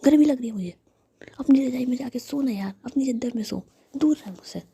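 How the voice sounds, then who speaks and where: A woman's voice: sits high, a little fast, mellow, slightly rough, voice pushed up, heavily acted. A woman voicing an irritable, sleepy young woman, whispering her curt, annoyed lines.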